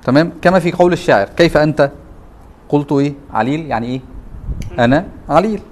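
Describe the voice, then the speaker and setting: A man with an Egyptian accent teaches a class at a brisk clip. His voice sits a bit high for a man. He keeps pausing to quiz his listeners with quick rhetorical questions. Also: darkish tone. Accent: Egyptian Arabic. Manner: quizzes students with repeated rhetorical questions. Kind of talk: classroom lecture.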